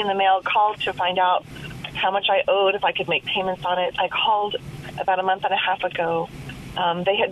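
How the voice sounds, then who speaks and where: A woman with an American accent and medium pitch speaks at a fairly quick pace amid noticeable background noise. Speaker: caller. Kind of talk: call-in question. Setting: phone call. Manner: halting.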